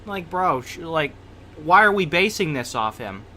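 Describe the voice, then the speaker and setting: A man's voice: a little high, big pitch swings, a little slow, pushed and bright, slight background noise. A man livestreaming a game with casual, crude and irreverent commentary. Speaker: game streamer.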